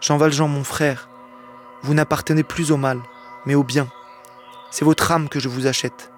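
A man reading aloud as a gentle, serene old bishop who speaks calmly and kindly. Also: a little high, moderate pace, faint music behind, close to an everyday voice. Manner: calm, kindly, a touch solemn.

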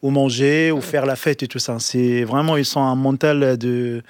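A man's voice: mid-range voice, steady tone, dry recording, studio quality. A middle-aged man from Lebanon, a chef, telling his story in a radio interview, stopping and repeating words often. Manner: halting, repeats words, many fillers. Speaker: chef, studio guest.

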